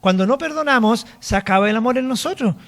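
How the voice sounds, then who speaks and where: A man preaches and tells a personal story. His voice is high for a man and swoops widely as he acts out each exchange. The delivery is lively storytelling from the pulpit. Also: fast talker. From Chile. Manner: storytelling, animated, acts out dialogue. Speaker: apostle preaching. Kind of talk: sermon testimony.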